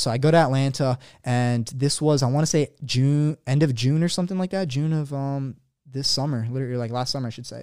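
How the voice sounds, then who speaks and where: In a very clean recording with a silent background, a man with a Californian accent talks at a very fast pace with ordinary pitch variation. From US West Coast, San Diego. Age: young. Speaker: e-commerce entrepreneur. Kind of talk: casual chat.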